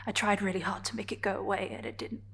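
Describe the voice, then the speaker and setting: A woman performing a dramatic stage monologue as a vulnerable, defiant gay woman confronting a partner, in halting, emotionally charged phrases. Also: mid-range voice, sing-song, creaky, fairly bright tone, slight background noise. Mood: quiet, confessional.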